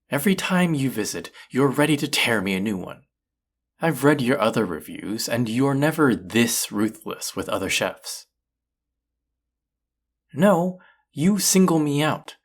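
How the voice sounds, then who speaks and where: A man acts out a proud male chef locked in a feud, in an intimate audio drama. His mid-range voice moves dramatically up and down in pitch. He speaks with indignation and sarcasm, always condescending and ready to fight. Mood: angry, defensive. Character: proud, combative male restaurant chef feuding with a critic. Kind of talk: audio roleplay acting, one-sided dialogue.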